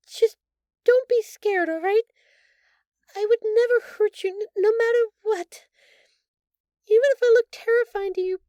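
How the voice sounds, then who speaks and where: A woman voicing a shapeshifted alien posing as a sweet, anxious human girlfriend in an intimate audio roleplay, speaking softly and haltingly. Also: extremely high pitch, no room sound, muffled recording. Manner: soft, halting, pleading, stammering. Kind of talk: audio roleplay acting, intimate address to listener.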